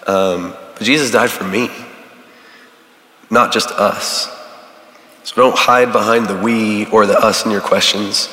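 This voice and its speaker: A man, a church volunteer giving a casual teaching to a recovery group, halting with many fillers while he is losing his voice. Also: fairly low pitch, steady tone, bright, forceful tone. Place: large church hall. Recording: echoey hall with long reverb.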